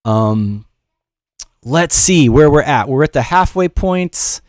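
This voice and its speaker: A middle-aged man, a music production teacher and show host, rambles through a casual livestream lesson in an informal, self-deprecating way. His voice sits fairly high and sounds animated, and he speaks slowly. The recording is dry and of studio quality.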